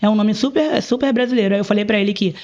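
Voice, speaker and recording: A woman's voice: medium pitch, very fast, a little mellow. A woman in a casual podcast chat who tells stories animatedly and acts out the dialogue she quotes. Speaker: bilingual program advisor. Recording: dull lo-fi sound.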